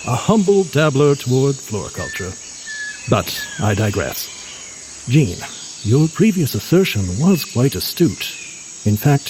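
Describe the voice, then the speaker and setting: An actor playing a courtly, erudite mutant scientist in an audio drama, with a verbose, formal and genial manner. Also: male voice, medium pitch, background noise.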